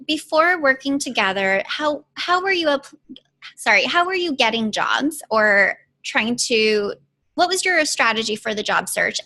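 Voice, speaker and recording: A woman's voice: high-pitched, pushed and bright. A woman career coach asking her client questions in an encouraging, enthusiastic way. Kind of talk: upbeat interview questions.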